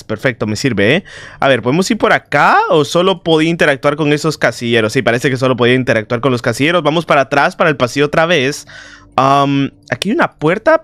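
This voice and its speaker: A man's voice: mid-range voice, fairly bright tone, no room sound. A man with a sore throat giving joking, chatty commentary while playing a horror game and talking to his viewers. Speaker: gaming video host. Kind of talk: playthrough commentary.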